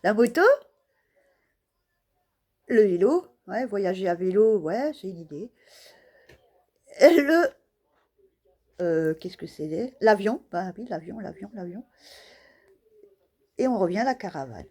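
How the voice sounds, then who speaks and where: A woman's voice: mid-range voice, animated, takes it slowly, long pauses, mellow. A woman casually showing craft stamps in a vlog, talking hesitantly with many fillers and laughing at her own guesses. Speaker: scrapbooking vlogger.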